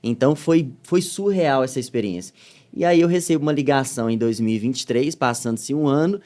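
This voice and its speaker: A man from Minas Gerais with a Minas accent, telling a story as a missionary guest on a podcast, shifting between loud and soft. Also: medium pitch, brisk. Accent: Minas Gerais Portuguese. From Minas Gerais, Brazil. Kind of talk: podcast testimony.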